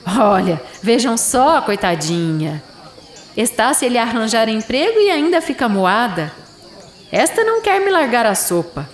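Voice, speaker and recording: A woman's voice: a little high, big pitch swings, unhurried, reverberant. A woman voicing a scornful, coarse old innkeeper woman who grumbles and mocks, in an audio drama. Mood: mocking. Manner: dismissive, complaining, sneering.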